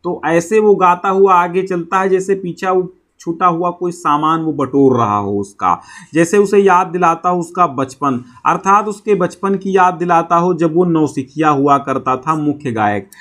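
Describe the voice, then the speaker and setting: A man's voice: a little high, measured pace, fairly bright tone. A man teaching in an explanatory classroom style, reading out phrases, then repeating and rephrasing them didactically. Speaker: Hindi teacher. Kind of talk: explanatory classroom lesson, reading and paraphrasing a poem.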